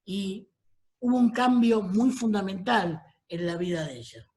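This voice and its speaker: A man's voice: sits high, expressive, a little slow, darkish tone. A middle-aged man with a Rioplatense Spanish accent preaches a sermon as a pastor, telling his family's story. He calls on the congregation for amens between stretches of storytelling.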